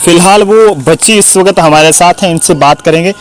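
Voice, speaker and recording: A man's voice: high-pitched, normal speed. A man reporting the news in the field, rambling a little and correcting himself mid-sentence. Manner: rambling, fills gaps with "jo hai wo". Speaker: journalist reporter.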